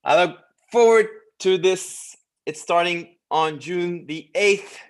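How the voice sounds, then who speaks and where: A man's voice: high-pitched, slow pace, rough recording. A man working as a language coach, presenting a course in a promotional, partly read-out style with short, emphatic phrases.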